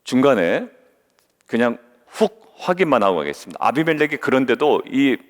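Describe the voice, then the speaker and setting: A man's voice: mid-range voice, very animated, moderate pace. A male pastor preaching an early-morning devotional sermon, often questioning his congregation and acting out the voices he quotes. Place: church sanctuary. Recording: long reverb of a church hall.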